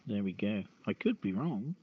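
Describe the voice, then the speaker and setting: A man's voice: lowish voice, big pitch swings, normal speed, husky. A man hosting a podcast, chatting casually with the group. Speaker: podcast host. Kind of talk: casual chat. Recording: dull, lo-fi online audio.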